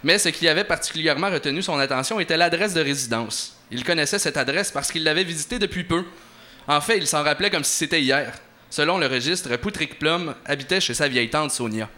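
Bright-voiced narrator host. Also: male voice, a little high, brisk. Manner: hesitant, lots of filler, then theatrical reading. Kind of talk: reading an interactive story aloud.

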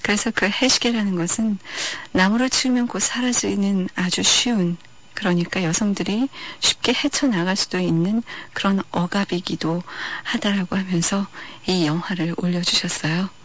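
A woman hosting a radio film-music show, talking about films in a calm, reflective, unhurried way. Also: mid-range voice, no echo. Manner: calm, reflective, unhurried delivery with soft pauses. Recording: dull lo-fi radio archive.

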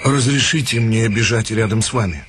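A man's voice: fairly low pitch, moderate pace, background noise, natural voice. A man acting a timid, anxious, bookish townsman on the run in a radio play. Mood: humble, wary. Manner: polite, humble, anxious. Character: timid, bookish fugitive townsman, small, frightened, desperate.

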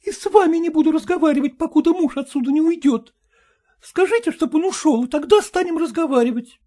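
A man's voice: very high-pitched, fairly quick, warm tone, voice pushed up. A man voicing a defiant young wife who answers her husband sharply and with scorn. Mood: cold.

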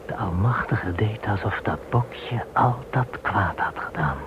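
A man in a radio play acting a devout Jewish man facing deportation, telling things in a solemn, measured way. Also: lowish voice, close to an everyday voice. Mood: solemn explaining. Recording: muffled phone-like band, clear hiss.

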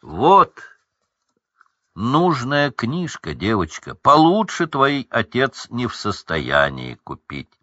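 A cold, condescending aristocratic wizard, voiced by a male reader, slowly drawling every word. His voice is a little raised and bright, with lively rises. The recording is dry and lo-fi. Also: mid-range voice, no room sound, exaggerated voice. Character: haughty cold aristocratic older wizard father.

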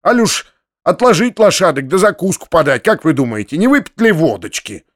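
A man voicing a hot-tempered, grumbling landowner who snaps with gruff sarcasm. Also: fairly high pitch, expressive, fairly quick, no echo, studio quality, lightly acted. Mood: impatient.

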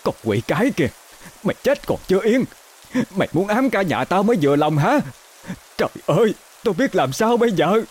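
A man doing a shrill wailing old mother. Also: big pitch swings, a little fast, slightly rough, exaggerated voice. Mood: frantic wailing. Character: sharp-tongued older mother, grieving and panicked.

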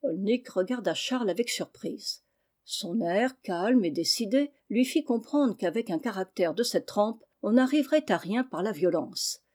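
Mellow-voiced woman reading a novel aloud. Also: mid-range voice, lively intonation. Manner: measured storytelling. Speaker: audiobook narrator. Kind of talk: scripted literary narration.

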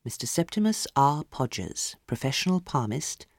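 A woman voicing a sly, nervous older male palmist who speaks low and evasively. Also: sing-song, moderate pace, no room sound, studio quality, heavily acted.

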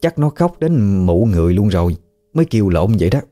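A man's voice: fairly low pitch, big pitch swings, brisk, dark tone. A man with a Southern Vietnamese accent playing a middle-aged aunt who gossips in a firm, matter-of-fact way. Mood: assured.

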